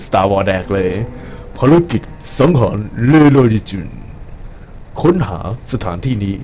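Excitable young man narrating a game. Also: on the low side, slow. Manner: joking, excitable, swears at enemies. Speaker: gameplay commentator. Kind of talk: casual Let's Play commentary.

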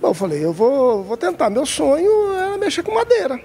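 Hesitant mineiro guy, kinda high voice, gravelly, talking into a handheld mic in a shop, faint noise behind. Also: wildly swooping pitch, moderate pace, warm tone. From Brazil, Minas Gerais. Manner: hesitant, many fillers and restarts. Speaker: woodcarving artisan, guest. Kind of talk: casual interview answers. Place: craft shop, indoors. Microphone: handheld mic held by interviewer.

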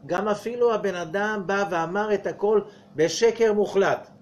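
A man, a rabbi giving a weekly Torah portion lecture. He asks the audience rhetorical questions and acts out little dialogues. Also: high voice. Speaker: rabbi teaching Kabbalah.

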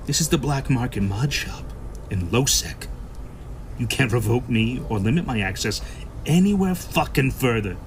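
Sci-fi audio drama: sly, swearing, sarcastic black-market shopkeeper male actor, mid-pitched, clear background noise. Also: expressive, moderate pace, lightly acted. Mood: defiant. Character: foul-mouthed, sly black-market shop boss, grimly pragmatic. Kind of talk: science-fiction audio drama acting.

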